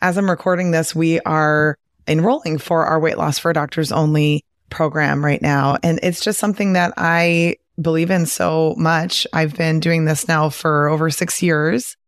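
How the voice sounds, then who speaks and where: A woman with a raspy, hoarse voice from a recent virus, hosting a podcast in a chatty, encouraging way with frequent laughs. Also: low voice, fairly even intonation, unhurried, few pauses, dry recording, studio quality. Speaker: podcast host and weight loss coach. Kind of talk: casual podcast monologue.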